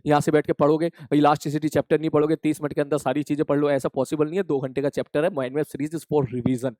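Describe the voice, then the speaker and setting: A man teaching physics in an exam revision lecture, energetic and talking straight to his students, often answering his own questions in their voice. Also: a little high, fast talker, dry recording. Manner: energetic, addresses students as "bhai sahab".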